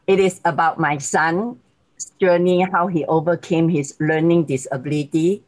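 A woman in her sixties speaks with a Malaysian accent over a video call. Her voice sits a little low, and her talk is warm and thankful, often broken by soft laughter. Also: fairly even intonation, moderate pace, low-quality recording. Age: 60s. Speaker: guest speaker.

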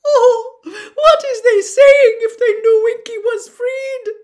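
A woman voicing a tearful, indignant, fiercely loyal female house-elf, squeaky and wailing, with broken servile grammar. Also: animated, measured pace. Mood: wailing, distraught.

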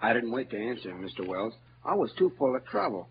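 A man's voice: medium pitch, big pitch swings, fairly quick, slight background noise. A man voicing a resourceful rustic teenage boy who narrates in plain, rustic speech, in a 1940s radio drama. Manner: plain rustic narration, urgent when searching. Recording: dull lo-fi old radio recording with music.

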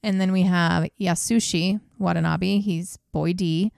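Gravelly-voiced woman telling a true crime case. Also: fairly low pitch, fairly even intonation, measured pace, darkish tone, dry recording, studio quality. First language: English. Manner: blunt, swears, laughs at grim moments. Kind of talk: casual true crime storytelling.

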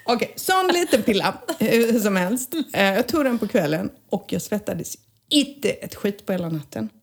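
A woman in her forties chatting as a podcast co-host, telling stories in a lively way and acting out the people in them. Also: medium pitch. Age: 40s. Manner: lively storyteller who acts out voices. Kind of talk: casual podcast chat.

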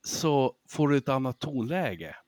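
A man who gives lectures, talking as a podcast guest in a casual, lively way, acting out examples and laughing easily. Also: medium pitch, no room sound. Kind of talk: casual interview talk.

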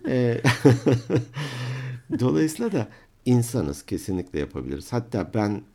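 A man's voice: medium pitch, sing-song, measured pace, warm tone. A man in casual conversation who laughs often and tells humorous anecdotes.

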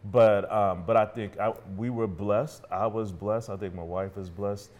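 Deep-voiced African American man in conversation. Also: fairly even intonation, measured pace, a little mellow. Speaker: podcast guest, entrepreneur and author. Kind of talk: casual conversational interview.

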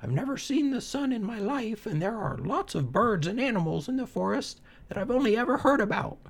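A tiny headstrong bat boy in a storybook, pitched way up high and eager. The voice sounds a little off-mic. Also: very animated, brisk, gravelly, exaggerated voice. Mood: pleading. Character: small curious stubborn young male bat.

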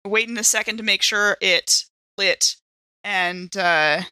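Woman rpg player, bright voice, chatty, halting, thinking out loud, dry audio. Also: mid-range voice, smooth, no room sound. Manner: informal, halting, thinking aloud. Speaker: tabletop game player. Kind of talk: casual in-game chat.

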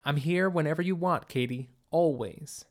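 A man's voice: on the high side, normal speed, lightly acted. A man reading the part of a supportive teenage girl in an audiobook, in a teasing, caring manner. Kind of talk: audiobook character dialogue.

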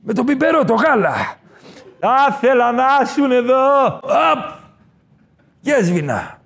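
A man playing a boastful, swaggering nightlife king in a comedy sketch interview, talking loud and brash with shouted punchlines. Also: very high-pitched, huge pitch swings, slightly rough, heavily acted. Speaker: comic guest character.

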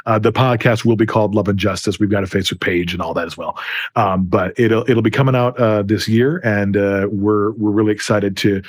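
A man's voice: fairly low pitch, fairly even intonation, brisk, no room sound, studio quality. An American man from Wisconsin speaking conversationally as an interview guest, telling his story in an earnest, enthusiastic manner. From Wisconsin, United States. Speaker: interview guest, film and TV producer.

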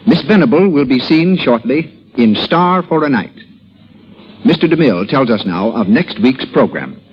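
A man giving formal announcements on an old 1930s radio broadcast, in a crisp, measured delivery. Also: medium pitch, expressive, highs cut off. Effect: old 1930s radio broadcast sound.

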